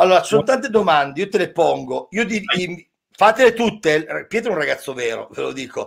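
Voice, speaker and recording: Over a quiet background, a man with a high voice speaks at a fairly quick pace, his pitch swinging very widely. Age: 40s. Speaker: philosophy teacher and online video host; philosophy teacher, online video host. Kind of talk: live-stream chat with guest. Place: home room. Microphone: video call.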